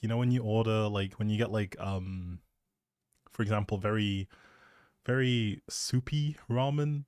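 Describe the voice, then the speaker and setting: A man's voice: lowish voice, a little mellow, no echo. A man chatting casually as a live streamer, rambling in a playful, self-deprecating way into a close microphone.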